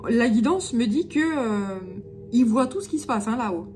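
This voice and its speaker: A woman with a Jura accent giving an unscripted channeled guidance reading, halting with many fillers and restarts and given to self-mocking humor. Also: on the high side, animated, warm tone. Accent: Jura French. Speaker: spiritual channeler.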